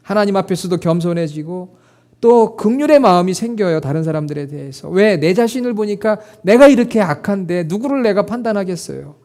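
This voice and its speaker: A middle-aged man preaching a sermon as pastor, earnest, lifting into emotional prayer-like quotes and then dropping soft. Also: high-pitched, lively intonation, brisk.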